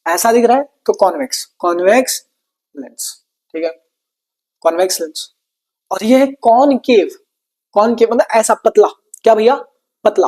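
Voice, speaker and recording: A man with a high, darkish voice teaches an exam-prep science lesson in a chatty, playful way. He asks questions and answers them himself like a student, playing both roles in quick back-and-forth.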